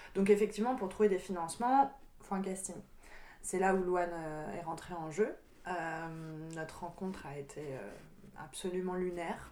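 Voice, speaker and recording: A woman with a medium-pitched voice and a dark, mellow tone speaks at a moderate pace with ordinary pitch variation. She leaves long, frequent pauses, and her loudness swings widely. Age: 20s. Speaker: author and film director. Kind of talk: interview. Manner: halting.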